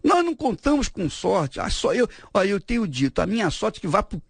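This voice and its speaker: A man's voice: high-pitched, sing-song, brisk, vocal fry, breathy edge, no room sound. A man preaching a radio sermon as a bishop, emphatic and rising sharply on key words.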